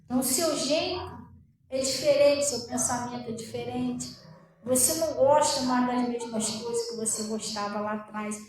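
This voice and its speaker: A woman pastor with a Brazilian Portuguese accent giving her testimony as a sermon, conversational and animated, often asking the congregation questions. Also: a little high, moderate pace. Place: church hall. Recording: echoey room, voice far from mic.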